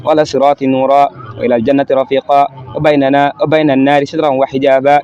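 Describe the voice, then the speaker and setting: A man's voice: medium pitch, level tone, quick pace, darkish tone. A man leading an Islamic supplication, reciting formulaic parallel phrases in a rhythmic litany. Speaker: prayer leader. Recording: dull lo-fi recording.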